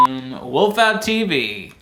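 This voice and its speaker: A man's voice: on the high side, very animated, slow pace. A man performing station tags in an improvised comedy sketch. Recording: roomy sound, loud background noise.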